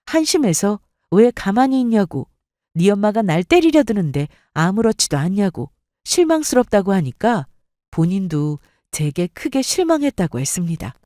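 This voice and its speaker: A woman reads a dramatic first-person story aloud with expressive storytelling. Her intonation is animated and moves a lot. The recording is dry and close, with no room sound. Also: mid-range voice, normal speed, dry recording. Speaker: story reader.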